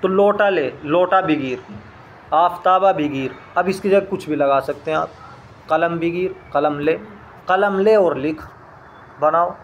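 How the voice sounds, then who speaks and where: In this recorded lesson, a male language teacher with a high voice reads a phrase, repeats it, and slowly explains it word by word. The recording sounds muffled, with a faint hum from the room beneath.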